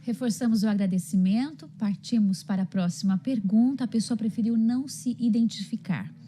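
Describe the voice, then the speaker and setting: A woman's voice: on the high side, fairly quick, dark tone. A Brazilian woman presenting a religious programme and reading out questions.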